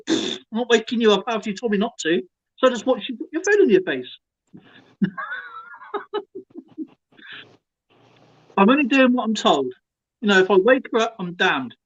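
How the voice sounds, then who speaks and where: An English man co-hosting a live stream in casual chat, joking and laughing often as he tells stories. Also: high-pitched. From England. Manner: laughs a lot, jokey storytelling. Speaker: stream co-host. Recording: dull lo-fi stream audio.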